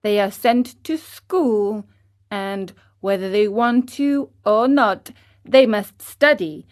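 A woman reading a storybook aloud, voicing a naughty, hot-tempered boy marionette who talks loudly and defiantly. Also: medium pitch, slow pace, close to an everyday voice. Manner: loud, defiant and impatient.

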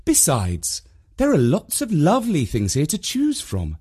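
Storyteller playing a feisty mum, raised pitch, lively, storybook heroine. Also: measured pace, husky, heavily acted. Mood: indignant. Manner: lively and indignant. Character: spirited mother, indignant but good-humoured.

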